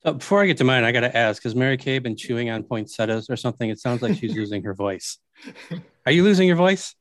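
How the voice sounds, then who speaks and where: Quick-talking man, joking panelist, close dry mic. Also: medium pitch, animated, no room sound. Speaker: podcast panelist. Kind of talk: casual sports podcast chat.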